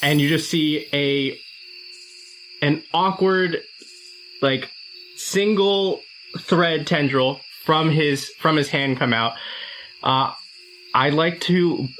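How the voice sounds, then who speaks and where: A man playing a tabletop game, casually describing his character's moves in a halting, playful way. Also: fairly high pitch, fairly bright tone, slight background noise, low-quality recording.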